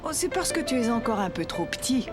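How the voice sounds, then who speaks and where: A woman voicing a gentle, patient mother in a French cartoon, speaking to a small child in an encouraging way. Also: on the high side, big pitch swings, fairly quick. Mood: tender. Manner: gentle, encouraging, sing-song. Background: prominent music.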